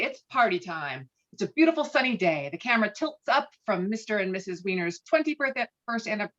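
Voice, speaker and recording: A woman's voice: fairly high pitch, a bit bright. A woman reading stage directions as scripted narration for a table read. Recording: dull, lo-fi online call audio.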